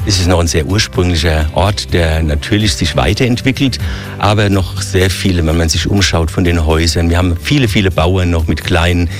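A man with a low voice and a Hessian accent speaks in a radio interview. He explains things in a relaxed way and runs through long lists. Faint music plays behind him. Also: fairly quick. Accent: Hessian German. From Hesse, Germany. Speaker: hotel director.

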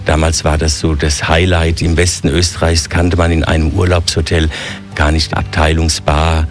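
Deep-voiced man with a Hessian accent. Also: level tone, moderate pace, faint music behind. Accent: Hessian German. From Hesse, Germany. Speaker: hotel director. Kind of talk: radio interview.

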